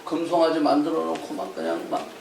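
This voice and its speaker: A man's voice: on the high side, big pitch swings, quick pace, vocal fry, darkish tone, slight background noise. A male pastor preaching a sermon in a church sanctuary, often questioning the congregation and calling for their responses. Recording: roomy hall, voice from a distant mic.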